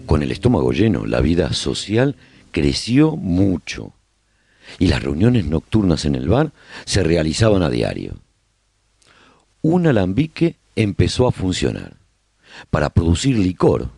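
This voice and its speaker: A male survivor recounting colony life in a radio drama. His voice is very low and gravelly, yet the melody moves expressively through each measured phrase. The tone is that of a reflective chronicler. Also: wildly swooping pitch, warm tone, no room sound, exaggerated voice. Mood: reflective storytelling. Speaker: narrator of a radio serial. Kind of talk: scripted first-person narration, radio drama.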